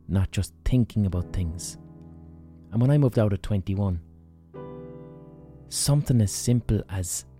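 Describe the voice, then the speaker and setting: A man's voice: deep voice, warm tone. A man in his thirties hosting a solo podcast, talking bluntly and emphatically with frequent swearing. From Ireland. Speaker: podcast host.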